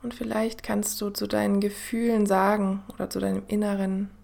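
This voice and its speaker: A woman host guiding a meditation in the soothing manner of a sleep story narrator, gentle and unhurried, with a soft, breathy voice that often drops to a near-whisper. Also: medium pitch, completely flat delivery. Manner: gentle, unhurried, with long pauses. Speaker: podcast host and meditation guide.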